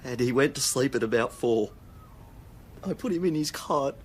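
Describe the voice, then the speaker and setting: A man's voice: medium pitch, lively intonation, normal speed, slight background noise, lightly acted. An actor playing a distraught, defensive young father of a missing baby in a TV police drama. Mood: upset. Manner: agitated, defensive.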